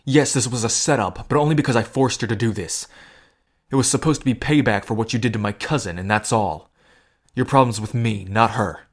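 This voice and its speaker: A man's voice: medium pitch, a little fast, close to an everyday voice. A man playing an earnest, desperate bartender bluffing as a gambler, in naturalistic audio drama style. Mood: desperate, protective.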